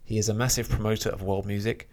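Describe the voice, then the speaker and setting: A man in casual chat about music, talking in a relaxed, hesitant way and sometimes reading a short biography aloud. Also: on the low side, quick pace.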